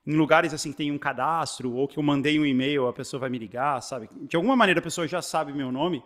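A man from Brazil with a Brazilian Portuguese accent, telling stories in casual chat, animated and full of restarts. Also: a little high, fast. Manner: animated storyteller, many restarts and fillers.

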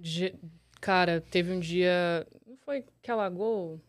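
A woman, a rideshare driver telling stories in a slangy, animated way on a casual podcast. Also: fairly low pitch. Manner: animated, slangy, quick storyteller.

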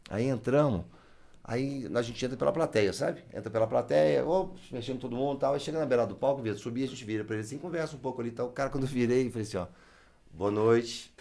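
A man's voice: mid-range voice, quick pace, gravelly, dark tone. A Brazilian man, telling a story in casual chat and acting out the lines he quotes.

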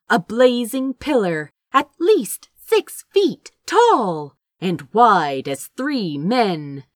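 Animated, high-voiced woman narrating dramatically. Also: dry recording, clean studio sound. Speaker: fan fiction audiobook narrator. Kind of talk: dramatic scripted story narration.

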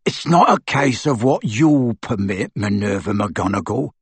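A man voicing a brutish, crude male henchman who bellows in rough, ungrammatical speech. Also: lowish voice, lively intonation, a little slow, no room sound, heavily acted. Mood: menacing.

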